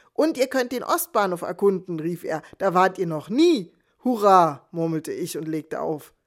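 A woman in her thirties reads her own first-person city story with dry, wry humour. Her pitch sits in a middle range. The delivery is scripted and relaxed.

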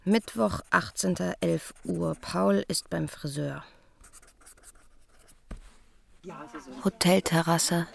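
An actress playing a wry, playful young East Berlin woman in a radio play, with a deadpan, clipped, diary-like delivery. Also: on the low side, takes it slowly, creaky, a little hiss or hum, heavily acted. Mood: matter-of-fact. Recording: music behind the voice.

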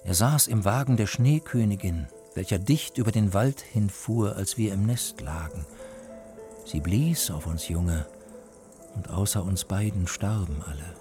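A man reading a fairy tale aloud and voicing the cooing forest pigeons in a soft storytelling manner. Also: on the low side, a little slow, close to an everyday voice. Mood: plaintive. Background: music.

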